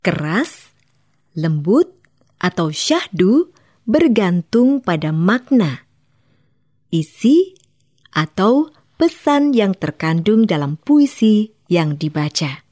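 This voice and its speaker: A woman narrating an educational program for children, speaking in a clear, instructive way. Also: medium pitch, very animated, slow pace, pauses often, dark tone.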